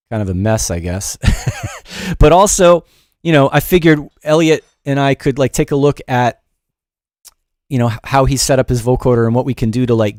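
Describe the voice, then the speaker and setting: Here a music production teacher who hosts his own show, a middle-aged man, gives a relaxed livestream lesson, wandering off topic and poking fun at himself. His medium-pitched voice is slightly mellow. The sound is dry, studio-grade.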